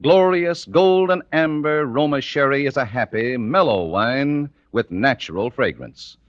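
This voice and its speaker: A man reading a 1950s radio commercial as the announcer, in a smooth, persuasive way. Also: medium pitch, a bit bright, dry recording. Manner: smooth, persuasive, sing-song. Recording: dry, dull old radio recording.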